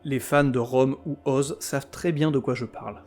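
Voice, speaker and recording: A man's voice: medium pitch, steady tone, normal speed, a little mellow, faint music behind. A man hosting a podcast who reviews TV series in a scripted comic style, full of sarcasm, crude words and mock outrage. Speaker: podcast host.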